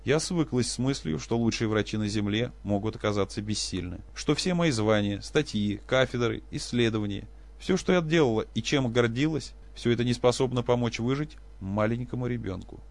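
A man voicing a grieving, vengeful woman who speaks in an even, cutting voice. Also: medium pitch, normal speed, creaky, hardly any pauses, natural voice. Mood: cold.

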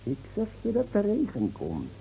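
An actor playing a whimsical, boastful drunken idler who teases and talks poetically in a radio play. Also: male voice, sits high, huge pitch swings, normal speed, gravelly, mellow, husky, full character voice. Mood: prophetic, dreamy. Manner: teasing, poetic, theatrical. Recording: muffled old radio play recording.

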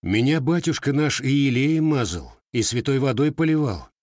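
A proud, sharp-tongued young armorer, as a man reads him in a storybook. He speaks in a dry, curt way, a little above the narrator's pitch, recorded close and dry. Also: animated, moderate pace, dry recording, lightly acted. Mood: calm.

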